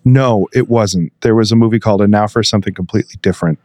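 A man's voice: fairly low pitch, fast talker, a little mellow, dry recording. A young adult man co-hosting a podcast, chatting casually, laughing a lot and rambling with fillers. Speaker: podcast co-host. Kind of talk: casual chat.

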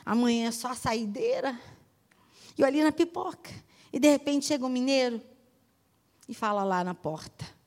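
A middle-aged woman pastor with a Brazilian accent preaching a sermon, emphatic and repetitive, swinging from loud declarations to soft storytelling. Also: a little high, moderate pace, long pauses.

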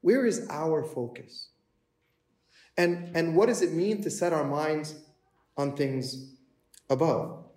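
A man delivers a sermon in a relaxed, conversational way, slipping into the voices of the people in the story he tells. His voice sits a little high for a man. The room around him has a noticeable echo. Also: takes it slowly, pauses often. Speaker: preacher. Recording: echoey room.

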